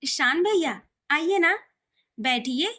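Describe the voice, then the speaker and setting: Woman voicing a gentle young bride. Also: high voice, animated, takes it slowly, full character voice. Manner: soft, polite.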